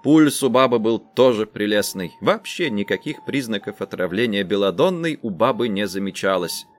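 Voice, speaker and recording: A man reading a literary story aloud as an audiobook narrator, in an expressive and dramatic way. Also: on the low side, normal speed, faint music behind.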